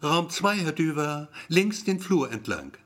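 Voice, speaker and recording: A man voicing a brisk, cool female receptionist in white who calls patients in a crisp, formal way. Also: medium pitch, huge pitch swings, fairly bright tone, heavily acted.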